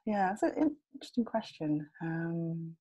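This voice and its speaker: A young woman from England talking as a podcast guest in a relaxed interview, hesitating with ums and restarts and laughing often. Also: on the low side, measured pace, breathy edge, rough recording.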